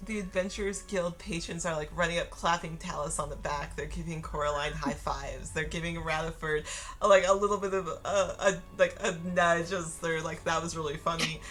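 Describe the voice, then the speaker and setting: Woman GM, casual and chatty with lots of fillers, lower register, background music. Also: fairly even intonation, brisk, a bit bright. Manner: casual, laughing often, many fillers. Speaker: game master. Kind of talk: narrating a tabletop game.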